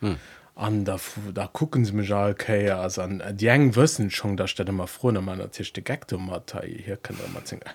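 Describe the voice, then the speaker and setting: A man's fairly low-pitched, a plain, everyday voice. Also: ordinary pitch variation, moderate pace. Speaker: podcast co-host, school teacher. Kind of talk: casual philosophical discussion. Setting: recording studio.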